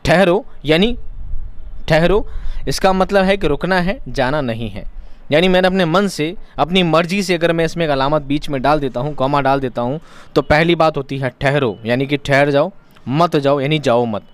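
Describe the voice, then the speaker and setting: A man's voice: on the high side, fairly quick, clear, resonant tone. A man teaching an exam-prep lesson, explaining each point by repeating it in other words and asking rhetorical questions.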